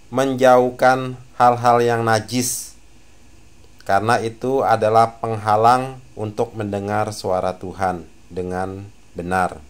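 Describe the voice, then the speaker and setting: A man preaching as a pastor, posing rhetorical questions in a deliberate, measured way. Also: medium pitch, clean tone. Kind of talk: sermon commentary.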